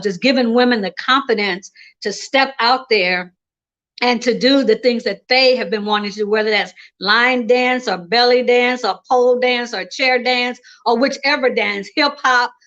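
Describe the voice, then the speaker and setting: A woman's voice: on the high side, moderate pace, fairly bright tone, dull audio. A woman in her sixties, a confidence coach for women, talking in a bold and upbeat way as a talk show guest. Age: 60s. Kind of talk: casual interview chat.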